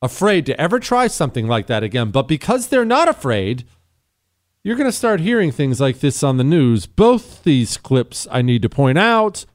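A man hosting a call-in radio talk show, sarcastic and combative, mocking in a high voice then dropping low. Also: sing-song, normal speed, no room sound, studio quality.

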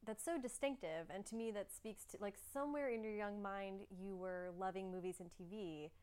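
A woman's voice: medium pitch, moderate pace, darkish tone, smooth. A woman hosts a conversational interview and builds her questions as she talks. She thinks aloud and laughs along with her guest. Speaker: podcast host. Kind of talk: casual interview chat.

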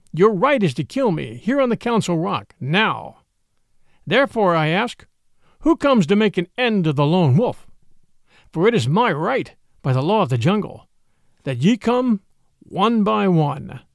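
A man's voice: high-pitched, sing-song, creaky, no room sound, studio quality, full character voice. A man voicing an old, weary male wolf leader, proud and dignified, speaking solemnly in a storybook reading. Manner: solemn, measured, old-fashioned speech.

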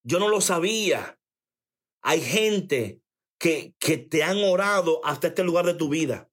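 Emphatic preacher man, fairly high voice. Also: animated, measured pace, a bit bright. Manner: emphatic, repeats phrases, calls for attention; reads chat comments aloud. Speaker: preacher on a live stream. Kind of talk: sermon-style testimony.

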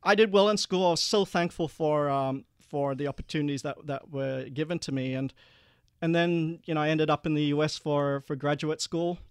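A man explaining earnestly, slightly high voice. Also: steady tone, normal speed, clean tone, no echo, clean studio sound. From Malaysia. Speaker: guest, investment manager. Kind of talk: interview answers.

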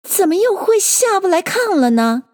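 A woman voicing a bold, impatient young swordswoman who speaks briskly and bluntly. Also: very high-pitched, sing-song, big-room sound, voice pushed up. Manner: brisk, scolding, forceful.

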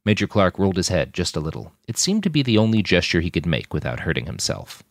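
Low-voiced male audiobook narrator. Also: sing-song, fast talker, no room sound, studio quality.

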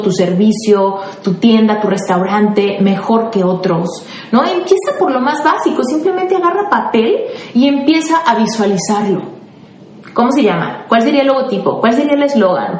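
A woman's voice: a little high, roomy sound, a little hiss or hum. A woman with a Mexican accent, a life coach hosting a podcast, giving listeners motivational advice in a conversational way. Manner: warm, conversational, answers listeners by name.

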